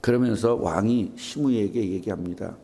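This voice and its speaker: A male pastor preaching a sermon, asking his congregation rhetorical questions in an animated way. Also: fairly low pitch, normal speed, gravelly. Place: church sanctuary.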